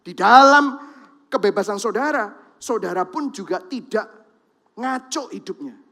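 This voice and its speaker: A man's voice: high-pitched, moderate pace. A man preaching a sermon in Indonesian with a Javanese-influenced accent. He speaks straight to the congregation and acts out the voices of the people in his examples. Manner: lively, talks to the congregation directly, acts out quoted voices. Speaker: pastor. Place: large church hall. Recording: long reverb of a large church hall.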